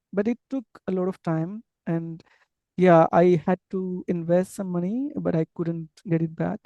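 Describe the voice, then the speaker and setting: A man with an Indian English accent and a mellow, soft-edged tone, talking through his answers in a loose, hesitant way with lots of fillers and restarts. His first language is an unwritten tribal tongue. The recording is dry and close, with no room echo. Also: sits high. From Andhra Pradesh, India. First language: tribal language without a script. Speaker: interview guest, English teacher abroad. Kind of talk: casual interview conversation.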